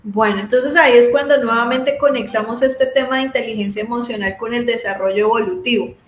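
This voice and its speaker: A woman psychologist, calmly taking up her co-host's point in a live-stream talk. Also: fairly high pitch, brisk. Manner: calm, takes up and extends her co-host's point. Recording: roomy sound with faint background noise.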